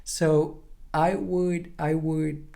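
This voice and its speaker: Male language instructor, native Spanish speaker. Unhurried, deliberate explanations with some vocal fry. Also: a little high, level tone, warm tone. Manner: deliberate, careful enunciation of examples. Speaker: pronunciation teacher.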